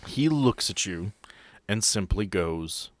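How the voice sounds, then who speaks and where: A man's voice: low-pitched, animated, takes it slowly, no room sound. A man working as game master, narrating a tabletop role-playing game in a descriptive, explanatory way with asides.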